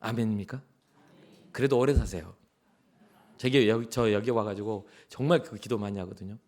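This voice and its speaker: A middle-aged man preaching a sermon as a church pastor, in a conversational way, acting out quotes and sometimes dropping to a soft whisper. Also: on the low side, normal speed. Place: church sanctuary.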